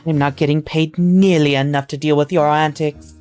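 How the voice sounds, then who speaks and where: A woman voicing a proud spinster governess who speaks in sharp, affronted, clipped lines. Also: low-pitched, steady tone, normal speed, smooth, faint music behind, lightly acted. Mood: indignant.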